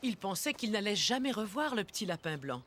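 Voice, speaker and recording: Expressive woman narrating a children's story. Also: mid-range voice, fairly quick, slight background noise. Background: prominent music.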